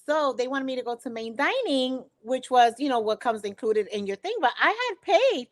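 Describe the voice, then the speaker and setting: Earnest woman co-host, fairly high voice. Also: expressive, normal speed. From Philadelphia. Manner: earnest, explaining at length. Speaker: co-host, travel agent. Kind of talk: casual chat.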